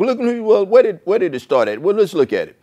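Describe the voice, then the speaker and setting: The tone is animated, with an American accent. The pace is fairly quick. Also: man. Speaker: pastor. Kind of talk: sermon. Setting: church broadcast online. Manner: animated, fervent pulpit delivery with call-and-response 'Amen?' and 'Glory to God'.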